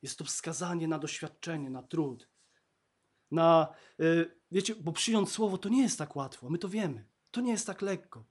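A man preaching a sermon in an earnest way, swinging between emphatic passages and soft, hushed ones. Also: on the high side, moderate pace, husky.

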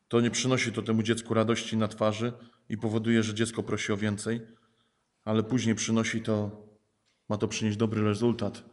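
Man preaching a sermon, pretty flat delivery, keeps repeating phrases for emphasis, asks the church questions. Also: fairly low pitch. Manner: rhetorical questions to the congregation.

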